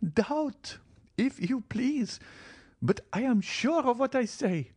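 A man's voice: very high-pitched, lively intonation, slow pace, a little mellow, husky, dry recording, pitched above the performer's own voice, exaggerated voice. A man reading an audiobook, voicing a frail, commanding old marchioness who talks feverishly of death. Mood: imperious, feverish.

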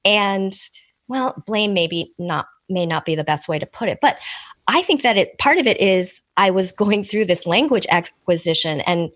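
A middle-aged Korean American woman whose first language was Korean, answering interview questions as an author in a thoughtful, measured way. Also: medium pitch, animated, dry recording, studio quality. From Korean American, immigrated as an infant. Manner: thoughtful, measured, with soft laughs and restarts. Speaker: author and podcast guest.

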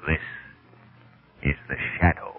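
A man performs a menacing, mysterious avenger from an old radio play. He is slow and sinister, taunting with icy politeness. The sound is narrow and tinny, like an aged broadcast. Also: medium pitch, close to an everyday voice. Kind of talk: old-time radio drama acting. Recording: tinny band-limited old radio recording.

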